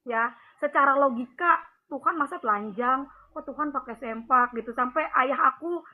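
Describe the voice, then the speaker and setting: A woman's voice: high-pitched, normal speed. A woman calling in to give a rambling personal testimony, with many fillers. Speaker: caller giving a testimony. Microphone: phone call. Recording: tinny phone line with faint noise.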